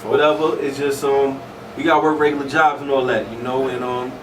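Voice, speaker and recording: A man's voice: mid-range voice, little pitch movement, a little fast, distant mic, noisy background. A man hosting a casual radio show, talking in a slangy, laid-back way in a studio. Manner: slangy, laid-back, says "you know what I'm saying" often.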